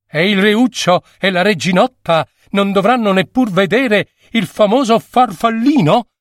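Storybook queen, imperious and impatient, lifted haughty tone, man voicing her, slow delivery, dry sound. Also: high-pitched, no room sound, voice pushed up. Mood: scornful.

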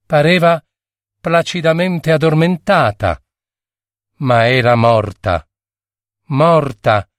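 A man reading a fairy tale aloud as narrator, in a measured, expressive storytelling manner. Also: a little high, dry recording, studio quality.

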